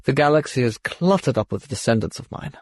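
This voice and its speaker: A man's voice: medium pitch, animated, fairly quick, a little mellow, no echo. A man plays an ancient patriarch in a science fiction audiobook. He is crusty and curt, dismissive and sure of his opinions. The recording is dry and close. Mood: dry, scornful. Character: ancient, youthful-bodied man, gruff, impatient, dismissive ancestor.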